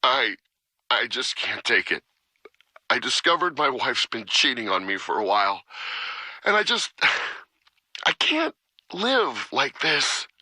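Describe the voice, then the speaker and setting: A man's voice: mid-range voice, sing-song, takes it slowly, pauses often, sharp tone, no room sound, heavily acted. A man playing a despairing betrayed husband in acted dramatic dialogue.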